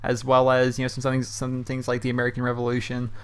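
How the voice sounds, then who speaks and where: A young man in his bedroom chats through viewer questions at a quick clip, words tumbling out. His delivery is loose and rambling, full of um, uh and you know. His pitch sits in an ordinary middle range. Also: completely flat delivery, clean tone. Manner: loose and chatty, heavy on fillers like um and you know. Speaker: YouTube host answering viewer questions. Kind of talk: casual rambling commentary. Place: his hot bedroom at home.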